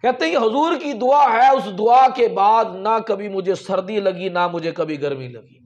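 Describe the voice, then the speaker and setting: A man's voice: sits high, lively intonation, moderate pace, dull audio. A man preaching a sermon, telling religious stories with emphatic raised peaks. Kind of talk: storytelling sermon.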